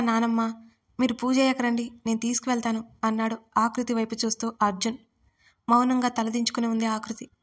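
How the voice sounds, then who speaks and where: Female storyteller, steady scripted reading, small voice shifts for characters, narrow pitch. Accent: Telugu.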